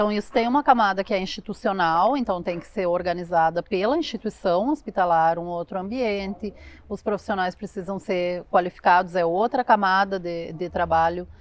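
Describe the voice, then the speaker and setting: With a Rio Grande do Sul accent, a woman speaks with ordinary pitch variation and hardly any pauses. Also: medium pitch for a woman, moderate pace. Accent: Missões regional accent (Rio Grande do Sul). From southern Brazil, Missões region of Rio Grande do Sul. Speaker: bereavement support NGO representative. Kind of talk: interview conversation. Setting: studio interview in a shop.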